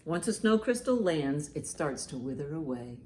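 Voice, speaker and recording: A woman with a slightly low voice leads a storytime for young children. Her delivery swings widely in pitch as she reads and explains things simply and expressively. There is noticeable noise in the background. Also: big pitch swings, normal speed, mellow. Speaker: children's librarian, storytime host. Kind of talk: children's storytime, reading a picture book aloud and commenting.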